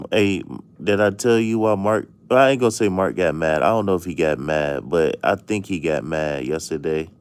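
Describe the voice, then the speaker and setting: A man's voice: low voice, unhurried, pauses often, smooth. A man streaming a casual chat as a tarot reader, telling stories with jokes and plenty of profane slang. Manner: joking, storytelling, profane slang.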